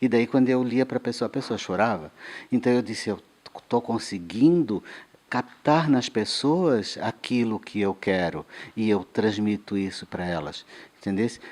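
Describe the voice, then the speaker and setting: A man speaks with a Florianópolis accent at a fairly slow pace. His pitch is medium, and his intonation lively. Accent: Florianópolis island. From Florianópolis, Santa Catarina, Brazil. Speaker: poet and writer. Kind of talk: interview. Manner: gentle, soft-spoken.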